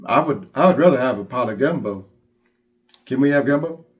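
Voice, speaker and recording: Southern-accented monkey puppet played by a man, mild, slightly dopey, helpful, mid-pitched. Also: expressive, a little fast, lo-fi sound, natural voice. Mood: eager, pleading.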